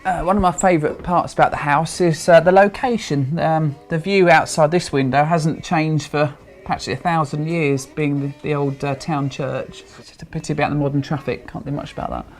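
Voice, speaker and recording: A man's voice: on the high side, fairly even intonation, a little fast, few pauses, faint music behind. A man of thirty-five with a British accent, chatting informally and hesitantly in an interview, with old-fashioned turns of phrase. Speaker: interviewee, history enthusiast. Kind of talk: informal interview while showing his home.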